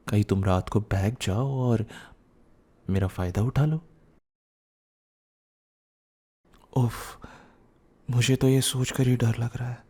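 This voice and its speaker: A man's voice: medium pitch, dark tone, husky. A young man playing a teasing, playful and cheekily bossy young husband who gets flustered, in a boyfriend ASMR roleplay, mixing in some English. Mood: smug, playful. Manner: teasing, repeats words, mixes in English.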